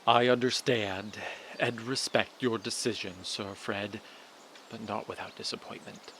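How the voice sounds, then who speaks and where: A man playing a solemn, lovelorn king who speaks in formal, drawn-out declarations in a comic fantasy audio drama. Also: lowish voice, fairly even intonation, fairly bright tone, slight background noise. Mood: disappointed.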